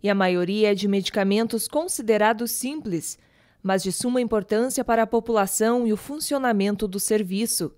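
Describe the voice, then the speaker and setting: A woman's voice: mid-range voice, no echo. Woman reporter narrating dry news voice-over. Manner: even, measured reporting delivery.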